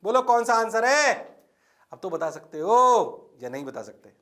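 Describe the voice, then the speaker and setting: A man's voice: sits high, very animated, measured pace, bright, forceful tone. A man teaching physics in a classroom. He talks with energy and playful teasing, and keeps coaxing the class to answer. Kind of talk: classroom lecture.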